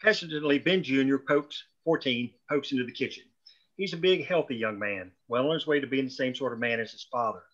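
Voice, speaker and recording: A man reads screenplay stage directions. His mid-range voice is bright and forceful, though the recording is lo-fi and a bit dull. The delivery is scripted narration. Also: mid-range voice, fairly quick. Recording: dull lo-fi audio.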